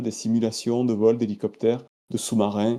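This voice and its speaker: A man with medium pitch and a dark, mellow tone at a moderate pace. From southern France, Alpes-de-Haute-Provence. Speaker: podcast listener guest, gamer. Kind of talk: interview. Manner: hesitant, frequent fillers.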